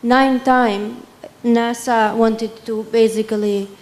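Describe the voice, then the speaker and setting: A woman's voice: on the high side, fairly even intonation, slow. A woman moderating a public forum, talking casually with many fillers.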